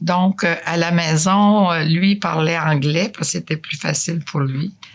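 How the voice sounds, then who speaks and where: A woman's fairly low voice, fairly slow, with fairly even intonation and noticeable background noise. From Quebec, Montérégie south-west. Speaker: retired nutrition technician. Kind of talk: interview. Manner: halting.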